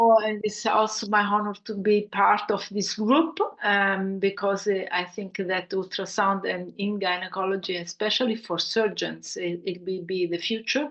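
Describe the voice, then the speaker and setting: A woman with an Italian accent speaks at a medium pitch and a moderate pace, with hardly any pauses. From Italy. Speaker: physician, professor of gynecology. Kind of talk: lecture. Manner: halting.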